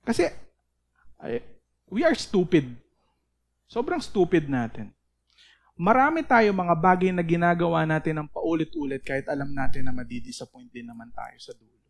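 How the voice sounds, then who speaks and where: A man's voice: fairly high pitch, big pitch swings, moderate pace, gravelly, long pauses. A young man preaching to a youth group in a playful, joking way, often laughing and acting out little self-talk scenes. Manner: playful and joking, laughing often, talking to himself in mock dialogue. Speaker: youth speaker.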